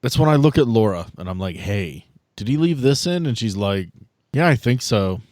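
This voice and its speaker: A man's voice: mid-range voice, expressive, normal speed, darkish tone, dry recording, clean studio sound. A man running a tabletop game, blunt and teasing, moving between casual chat and improvised narration. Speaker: game master.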